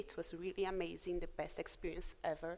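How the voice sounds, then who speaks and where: A woman talks at a fairly quick pace with a Portuguese accent. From Brazil, Recife (northeast). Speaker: software developer, conference speaker. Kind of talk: conference talk. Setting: stage with audience. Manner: hesitant, many fillers.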